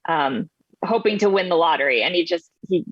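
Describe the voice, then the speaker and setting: A woman's voice: on the low side, lively intonation, brisk, husky, no echo. An American woman chatting casually as an interview guest, telling stories in a self-amused way, on slightly lo-fi audio. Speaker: podcast guest, voice actress.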